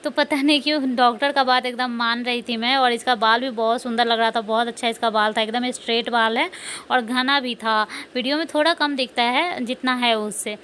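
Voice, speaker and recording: A woman's voice: fairly high pitch, steady tone, brisk, a bit bright, slight background noise. A young woman chatting casually at home about her newborn, talking loosely with many fillers. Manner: sing-song baby talk to her infant. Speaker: vlogger and new mother. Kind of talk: casual home vlog narration.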